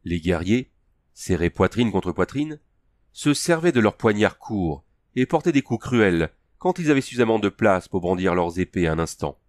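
A man reading a fantasy audiobook aloud in a steady, measured storytelling manner. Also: fairly low pitch, no room sound, clean studio sound. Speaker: audiobook narrator. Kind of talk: scripted narration of a fantasy story.

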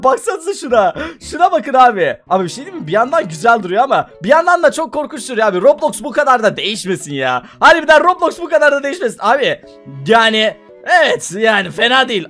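A man giving casual, excitable let's-play commentary to his viewers, laughing often as he plays. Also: extremely high pitch. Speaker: gaming video host.

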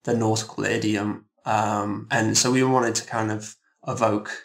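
A man speaks as a composer in a roundtable interview, choosing his words thoughtfully. His delivery is fairly even in pitch, with some creak and gravel in the voice. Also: a little slow. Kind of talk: explanatory interview talk.

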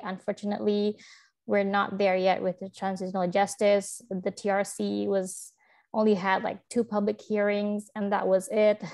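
Gravelly young woman from Indonesia. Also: medium pitch, darkish tone. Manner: eager, rambling, many fillers. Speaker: audience member. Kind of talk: academic question. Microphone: laptop mic on video call.

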